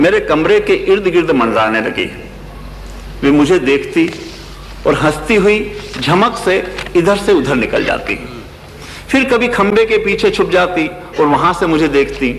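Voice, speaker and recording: A man's voice with very wide pitch swings, very even loudness and long, frequent pauses, over noticeable background noise. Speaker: satirist. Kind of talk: satire reading. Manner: humorous.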